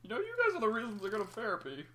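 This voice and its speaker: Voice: medium pitch, huge pitch swings, rapid-fire, a crowd in the background. A young adult reading a story aloud in an amateur, casual way, stumbling at times, teasing and swearing between passages. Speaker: reader of a story. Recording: noticeable background noise.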